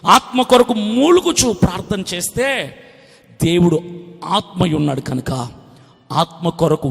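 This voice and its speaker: Casting: impassioned male evangelist, middle-aged, high voice, long hall reverb. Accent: Telugu. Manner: impassioned, repetitive, rhetorical questions, swings from loud to hushed. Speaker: evangelist preacher. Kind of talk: sermon.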